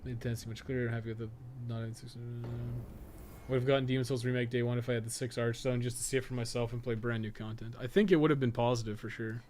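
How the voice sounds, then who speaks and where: A man's voice: medium pitch, level tone, fast, darkish tone, slight background noise. A man giving casual, rambling, sweary gameplay commentary as a streamer. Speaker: game streamer and podcast co-host.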